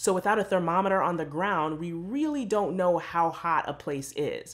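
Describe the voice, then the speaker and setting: A woman with an American accent and lively intonation, on a very clean recording with a silent background. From US Midwest, Chicago. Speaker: children's science educator. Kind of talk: scripted educational narration for kids. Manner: animated.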